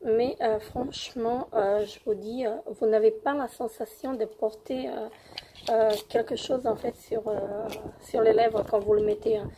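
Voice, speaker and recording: A young woman with a cold-roughened voice, hesitantly reviewing beauty products in a casual home vlog with many fillers. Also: fairly high pitch, steady tone, a little slow, warm tone, slight background noise. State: hoarse from a cold. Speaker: beauty vlogger.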